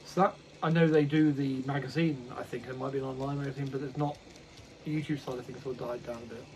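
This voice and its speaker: A man's voice: medium pitch, steady tone, fast, noisy background. A man casually vlogging about his model railway hobby, rambling and correcting himself with many ums. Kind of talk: casual unboxing chat.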